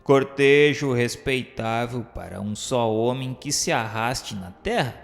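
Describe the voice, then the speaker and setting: An actor plays a sardonic dead man recounting his afterlife in a dramatized first-person radio novel. His mid-range voice is gravelly and a little slow, and his delivery is wry, reflective, theatrical, and mocking, with literary diction. Music plays underneath, with long hall reverb.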